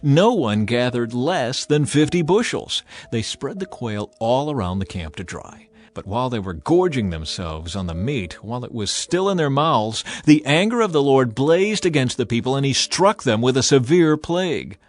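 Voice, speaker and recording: A man narrating a dramatized Bible reading in a deliberate, solemn and expressive way. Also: medium pitch.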